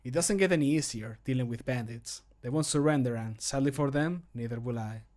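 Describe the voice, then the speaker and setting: A man voicing a grim, resolute fantasy adventurer for a video game, in measured, solemn phrases that fall away at the end. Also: mid-range voice, darkish tone, natural voice. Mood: grimly resolute. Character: grim, resolute male fantasy adventurer who fights bandits. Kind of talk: scripted video game voice line. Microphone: close studio microphone.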